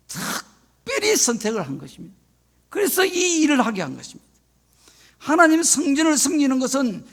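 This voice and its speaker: Older man, retired pastor, sermon, solemn warnings, gravelly fry, animated pitch. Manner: solemn warning, emphatic lists.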